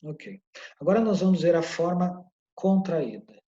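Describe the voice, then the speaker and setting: A man with a Brazilian Portuguese accent explaining English grammar casually, often checking in with the learner and drawling example phrases slowly. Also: high voice, dark tone. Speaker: English teacher. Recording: dull lo-fi recording.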